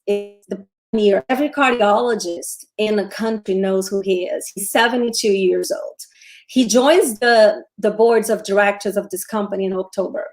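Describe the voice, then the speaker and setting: Brazilian-accented woman chatting about stocks. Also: mid-range voice. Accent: Brazilian Portuguese. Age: 40s. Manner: chatty, restarts often, answers viewer questions. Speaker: show host, trader. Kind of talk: livestream stock commentary.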